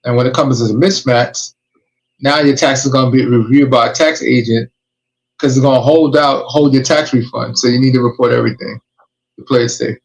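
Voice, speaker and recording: A man's voice: mid-range voice, fairly even intonation, brisk, creaky, low-quality recording. A man hosting a podcast, giving emphatic, streetwise warnings and advice in casual chat. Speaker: podcast host.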